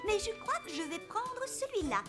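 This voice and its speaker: A woman's voice: very high-pitched, big pitch swings, normal speed. A woman voicing a kind, playful young babysitter in a children's cartoon, bubbly, coaxing and sing-song. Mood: playful pretending. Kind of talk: children's cartoon dub acting. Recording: loud music behind the voice.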